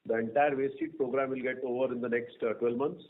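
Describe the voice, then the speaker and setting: A man with an Indian accent speaking as a company executive, answering analysts in a halting way and repeating words. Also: mid-range voice, steady tone. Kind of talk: answering analysts on an earnings call. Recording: narrow tinny phone-line sound.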